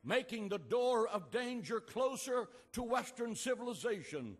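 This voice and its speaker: A man's voice: extremely high pitch, sing-song, husky, in a large hall. An older man, a pastor, delivering an emphatic speech at an outdoor rally, building through repeated refrains. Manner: slow, emphatic, repeated refrains, rising to shouts. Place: outdoor rally at an ancient port.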